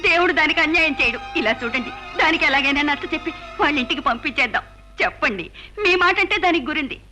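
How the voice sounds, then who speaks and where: An anxious middle-aged mother in a film melodrama. She pleads and consoles at a rapid pace, and her voice sits very high. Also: lively intonation, sharp tone, faint music behind. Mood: worried. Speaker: mother and wife. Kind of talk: dubbed film acting.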